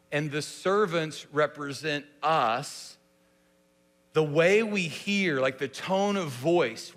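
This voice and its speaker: A man's voice: on the high side, a bit bright, long reverb tail. A man preaching a sermon in a church, speaking conversationally with many rhetorical questions. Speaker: pastor. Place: church sanctuary.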